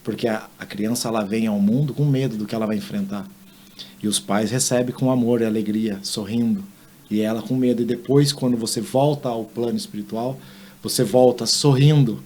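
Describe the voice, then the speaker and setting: Calm explanatory male interview guest. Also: fairly low pitch, fairly quick, a little hiss or hum. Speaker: interview guest, physiotherapist and hypnotherapist. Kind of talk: conversational interview.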